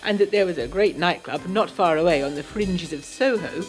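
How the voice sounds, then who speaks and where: Genteel low-voiced 1920s Englishwoman, played by an actress. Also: moderate pace, faint music behind, natural voice, low-quality recording. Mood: chatty, delighted. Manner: prim, articulate, period turns of phrase. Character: genteel, lively 1920s Englishwoman writing letters to John. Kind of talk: scripted audio drama letter narration.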